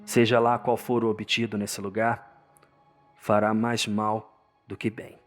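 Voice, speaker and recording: A man's voice: lowish voice, little pitch movement, slow pace. Casting: male narrator as sickly stranger in a cursed gothic town, weary, courteous, resigned, over music. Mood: weary warning. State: chronic cough, ailing. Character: sickly, weary, helpful foreign townsman named Gilbert. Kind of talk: dark fantasy game audio drama acting. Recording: music behind the voice.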